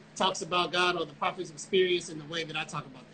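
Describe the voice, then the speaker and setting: Very fast speech over noticeable background noise. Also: man. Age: 40s. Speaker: podcast host and attorney. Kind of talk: casual chat. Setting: Instagram live video.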